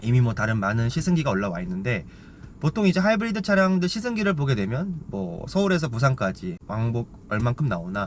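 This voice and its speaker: At a fairly quick pace, a man talks in a medium pitch. His voice moves in very wide pitch swings. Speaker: car reviewer. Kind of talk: car test drive review. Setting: in a car.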